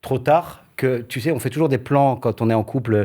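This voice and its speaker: A man's voice: medium pitch, brisk, warm tone. A man in his forties from the south of France, a comedian chatting casually in a studio interview, often repeating phrases for emphasis. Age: 40s. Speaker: stand-up comedian guest. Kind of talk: casual interview chat with comic anecdotes. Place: radio studio.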